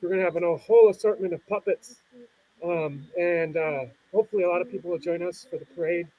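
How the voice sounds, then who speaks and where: A man from Minnesota making a casual, halting announcement as an event organiser. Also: sits high, warm tone. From Minnesota, United States. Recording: thin phone-like sound.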